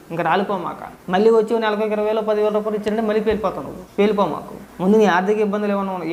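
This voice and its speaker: A man's voice: sits high, slight background noise. A man ranting straight at the camera as an online political commentator, lecturing and firing off rhetorical questions. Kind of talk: scolding direct-to-camera rant.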